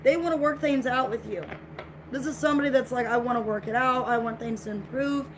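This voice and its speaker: A woman's voice: on the high side, a little fast. A woman giving a casual tarot reading to viewers, speaking in a repetitive, reassuring way, with her voice getting scratchy. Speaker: tarot reader.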